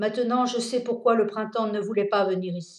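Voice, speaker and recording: A woman's medium-pitched voice in a flat monotone. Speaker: storyteller. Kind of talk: fairy tale reading.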